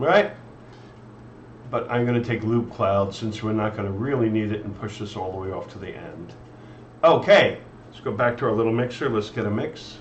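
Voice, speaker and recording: Over noticeable background noise and audible room echo, a man with a medium pitch speaks at a moderate pace with fairly even intonation and long, frequent pauses. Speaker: music producer. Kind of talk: tutorial. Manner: casual, chatty.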